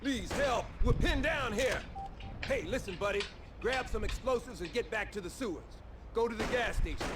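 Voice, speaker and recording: An actor playing an embattled resistance fighter in a video game, giving urgent, commanding orders. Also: male voice, extremely high pitch, expressive, moderate pace. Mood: urgent, pressed. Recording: faint, noisy game dialogue.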